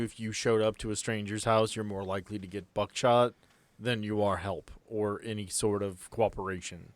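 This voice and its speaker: A man voicing a firm, protective small-town female sheriff who speaks frankly, in a measured, matter-of-fact way. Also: on the low side, no echo, close to an everyday voice.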